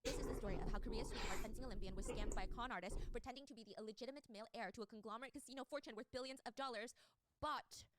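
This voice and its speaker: A young woman retelling a true scandal story to a co-host, animated and sarcastic, swearing freely. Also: a little high, very fast, slight background noise. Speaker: storyteller YouTuber.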